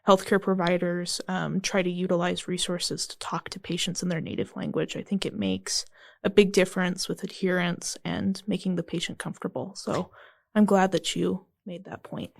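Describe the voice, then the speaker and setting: A woman's voice: lowish voice, fairly even intonation, moderate pace, gravelly, dry recording. A young adult woman interviewing a guest, friendly and affirming as she responds. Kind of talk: interview questions.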